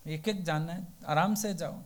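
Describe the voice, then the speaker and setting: A spiritual teacher delivers a devotional sermon in a fairly high, unhurried male voice. Folksy and plain-spoken, he tells homespun parables and keeps posing rhetorical questions.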